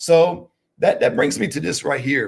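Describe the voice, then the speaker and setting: A man with an American accent speaks at a moderate pace. Vocal fry runs through his voice. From Virginia, US. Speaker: senior placement business coach. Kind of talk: live stream talk. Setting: live stream on social media. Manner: casual, conversational.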